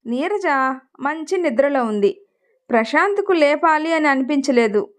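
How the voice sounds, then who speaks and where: A woman's voice: sits high, animated, measured pace. A woman with a Telugu accent narrating a family story and lightly voicing each character's lines. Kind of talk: storytelling narration with acted dialogue.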